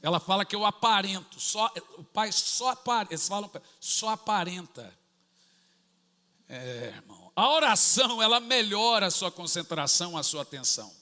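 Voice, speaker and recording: A man's voice: high voice, brisk, hardly any pauses. A man in his forties with a Brazilian Portuguese accent, preaching a sermon and acting out funny family stories. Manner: animated storytelling, jokey, acts out family dialogue. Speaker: pastor. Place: large church hall. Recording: echoey church hall.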